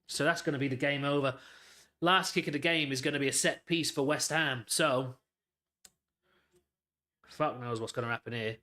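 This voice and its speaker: A man's voice: medium pitch, a little slow, pauses often, sharp tone. A man hosting a live football watchalong, calling the play and ranting bluntly with lots of swearing. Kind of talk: live match commentary and rant.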